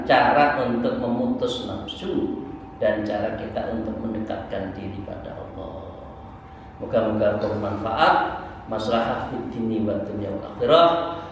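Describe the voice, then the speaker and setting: A man in his sixties with a Javanese accent gives an informal religious lesson, exhorting conversationally with rhetorical asides. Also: fairly low pitch. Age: 60s. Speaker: Islamic preacher and Sufi teacher. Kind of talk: sermon, informal religious lesson explaining a book. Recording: very echoey hall, distant mic, faint noise.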